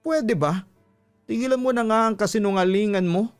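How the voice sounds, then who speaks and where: A man acts out a betrayed wife in a radio love drama, wounded and angry, reproaching her husband in a raised pitch. Music plays underneath. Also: moderate pace, clean tone, natural voice. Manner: emotional, reproachful, switching between Tagalog and English.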